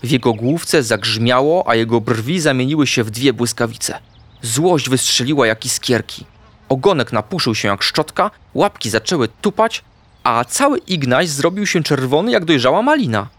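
A man narrating a children's bedtime story in an expressive, playful way. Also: mid-range voice, moderate pace, dry recording. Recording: faint background music.

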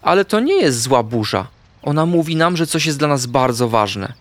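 A man voicing a calm, wise female owl who gently guides the children in a storybook. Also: mid-range voice, moderate pace, no echo, natural voice. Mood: soothing.

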